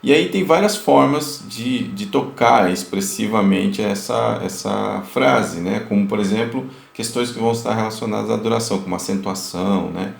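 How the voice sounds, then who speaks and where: A music teacher talks through a lesson in a gravelly, fry-tinged voice, tagging his points with quick checks to his students. His words carry a noticeable echo from the room around him. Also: lowish voice. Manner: explanatory, many fillers, sings note examples.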